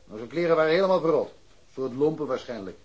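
Brash radio-play cop, defensive, husky, fairly high voice. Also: male voice, expressive, fast, highs cut off. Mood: dismissive. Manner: dismissive, blustering. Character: careless, defensive male policeman, brash and self-excusing. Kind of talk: radio drama acting.

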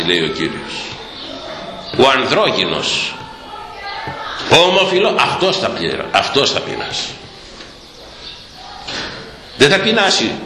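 An older Greek priest preaches with a lively, swooping delivery and a bright, forceful edge. He breaks into fiery shouts and mocking asides. His voice rings through an echoey hall with long reverb and faint ambience behind it. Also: fairly high pitch, slight background noise. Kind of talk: sermon.

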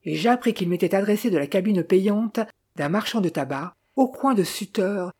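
Reader doing a fretful older jeweler dad, scolding, husky mellow voice. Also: medium pitch, animated, moderate pace. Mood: worried. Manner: anxious, scolding. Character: agitated older male jeweler, a worried father.

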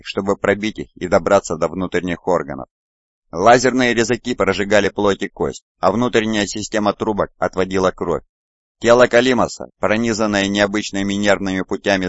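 Deep-voiced man narrating an audiobook. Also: no room sound, highs cut off. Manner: steady, measured reading. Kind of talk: scripted narration.

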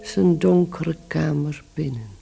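An actress playing an atmospheric storyteller, giving scripted literary narration in a radio drama. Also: female voice, sits low, slow pace, gravelly, full character voice. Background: music.

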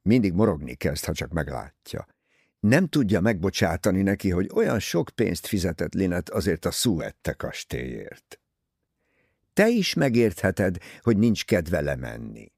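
A man voicing a teasing, easygoing young English gentleman talking with his mother in an audiobook. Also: low voice, big pitch swings, vocal fry, breathy edge, no room sound, studio quality, heavily acted. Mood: wry teasing. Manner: wry, teasing.

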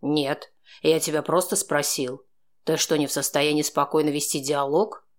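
Женщина в роли холодного язвительного мужчины. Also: female voice, low voice, little pitch movement, moderate pace, close to an everyday voice. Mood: sardonic. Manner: cool, ironic, curt. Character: composed, blunt, sarcastic man.

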